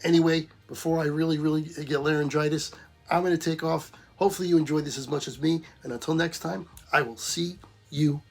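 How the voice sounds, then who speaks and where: A middle-aged man hosting a music reaction channel, talking casually with lots of ums, hoarse and losing his voice. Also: a little high, fairly quick. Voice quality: husky. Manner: relaxed, repetitive, lots of ums.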